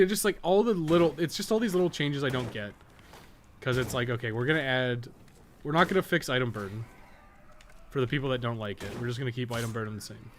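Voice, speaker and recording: A man giving casual, rambling live commentary as he plays a game, thinking out loud and swearing freely. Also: medium pitch, a little hiss or hum. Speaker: game streamer and guide maker.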